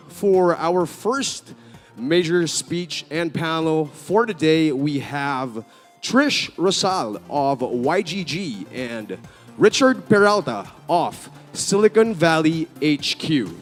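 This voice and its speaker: A man hosting a live gaming summit on stage, talking upbeat to the crowd and viewers at home. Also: on the high side. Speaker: event host. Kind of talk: energetic live event hosting. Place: large event hall. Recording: long hall reverb, music behind.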